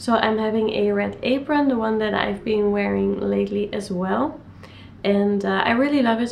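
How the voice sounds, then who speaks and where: A soft-spoken voice at a moderate pace comes with audible room echo and noticeable background noise. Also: woman. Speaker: stay-at-home mom vlogger. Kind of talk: casual vlog chat. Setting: indoors at home in front of a window. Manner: calm, reserved.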